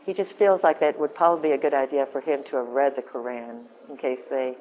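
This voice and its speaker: A woman with a deep voice giving an informal, earnest talk to a women's group, often breaking off and restarting. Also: fairly even intonation, quick pace, highs cut off, slight background noise. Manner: rambling, self-interrupting, earnest. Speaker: women's ministry speaker.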